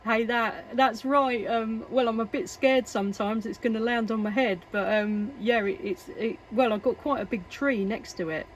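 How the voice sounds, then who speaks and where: A woman's voice: a little high, normal speed, hardly any pauses. A woman with an English accent chatting casually as a CB radio operator, in a hesitant, chatty way. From England. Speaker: CB radio operator and video maker. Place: workshop at home. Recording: noisy, radio static and hiss.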